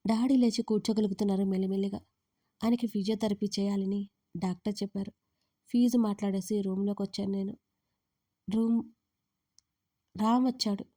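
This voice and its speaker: A woman's voice: mid-range voice, fairly quick, pauses often, no echo, studio quality. A woman narrating a first-person romance story, reading every character's lines in her own voice. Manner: reads all parts in her own voice, lively on quoted lines.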